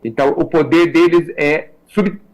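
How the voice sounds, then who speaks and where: A Brazilian man with a fairly high voice, speaking as a radio talk-show guest. He talks in a reflective, measured way and keeps asking his listeners to agree. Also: fairly even intonation, poor audio. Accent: Brazilian Portuguese. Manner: reflective, measured, many tag questions. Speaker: guest commentator.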